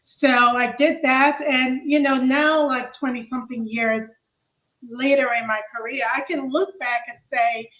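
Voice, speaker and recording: A woman in her forties telling a story in an animated, laughing way as an interview guest. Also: high-pitched, a little slow. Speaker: guest, business leader. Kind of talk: casual interview chat. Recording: roomy, muffled sound.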